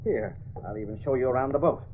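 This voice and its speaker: An actor playing a sly, blustering crooked official in a 1930s radio drama, indignantly denying everything. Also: male voice, medium pitch, expressive, fast talker, lightly acted. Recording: tinny, noisy old radio recording.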